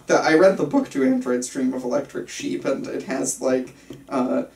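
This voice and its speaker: Creaky-voiced young man in a roomy space. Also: medium pitch, moderate pace, a little mellow. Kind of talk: casual discussion at a script table read. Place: small indoor room. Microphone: distant camera microphone. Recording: roomy, distant microphone.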